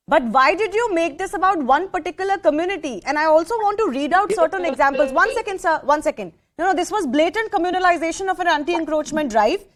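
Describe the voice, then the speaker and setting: A woman news anchor moderating a televised debate, brisk and cutting in to keep control. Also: very high voice. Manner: brisk, cuts in to control speakers.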